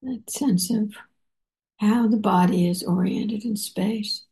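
A woman meditation teacher leading a guided meditation, unhurried and halting, with many soft pauses and fillers. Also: mid-range voice, fairly even intonation. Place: meditation center.

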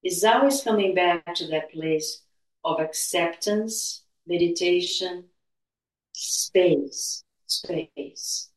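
A woman teaching guided meditation and gentle movement in a soothing, unhurried, spiritual healer-like manner. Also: fairly low pitch. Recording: echoey room, distant from mic.

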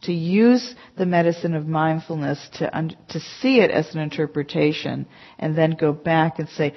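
Woman, meditation teacher, conversational dharma talk, emphatic, lowish voice, muffled lo-fi recording. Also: normal speed. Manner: chatty, emphatic, full of "you know" asides. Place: meditation center hall.

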